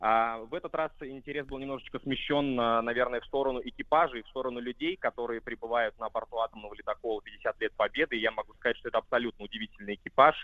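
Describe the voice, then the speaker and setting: A man's voice: mid-range voice, fairly even intonation, very fast, few pauses, dry recording. A man speaking as a guest by phone, fluent and eager, with many filler sounds. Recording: phone line.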